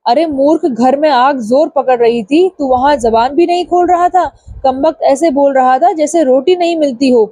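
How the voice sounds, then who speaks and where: A woman's voice: high-pitched, moderate pace, dark tone, close to an everyday voice. A woman voicing a bad-tempered older male town judge who scolds and insults impatiently in a told story. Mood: scolding. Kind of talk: storybook narration.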